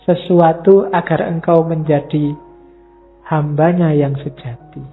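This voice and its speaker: A man lectures, casual and direct with his listeners. His voice is gravelly and a touch high. The recording is thin and phone-like, with soft music behind it. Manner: relaxed, conversational, addresses the audience directly. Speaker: lecturer on Islamic philosophy. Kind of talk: religious lecture to an audience. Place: mosque lecture hall. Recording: tinny lo-fi recording with faint music.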